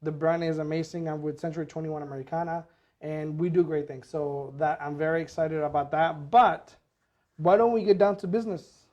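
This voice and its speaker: Relaxed man with a mellow voice. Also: on the high side, a little fast, highs cut off. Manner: relaxed, repeats himself, filler-heavy. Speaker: real estate agent and podcast co-host. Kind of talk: casual podcast chat.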